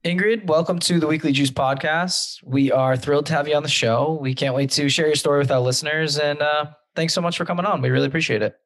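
A man hosting a podcast interview, welcoming a guest and asking questions in a friendly, slightly halting way. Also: a little high, fairly even intonation, a bit bright. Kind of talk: casual interview.

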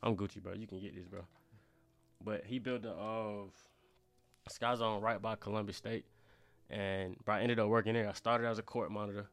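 Young black american accent guy, lowish voice, dry close sound, slangy casual storytelling. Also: fairly even intonation, moderate pace, creaky, fairly bright tone, no echo. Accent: African American. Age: young adult. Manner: slangy, conversational, often says bro and you know what I'm saying.

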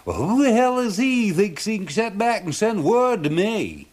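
A feisty old fisherman snaps back in a raised, high-pitched voice, as a man puts him on in a recited poem. He is gruff and stubborn, and his pitch jumps all over the place. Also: big pitch swings, normal speed, darkish tone. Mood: defiant.

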